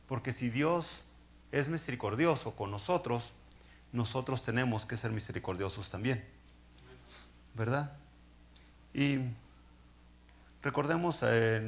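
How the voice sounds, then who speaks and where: A man's voice: medium pitch, a little slow, long pauses. A man preaching a sermon, telling the story in a conversational way and often checking in with his listeners.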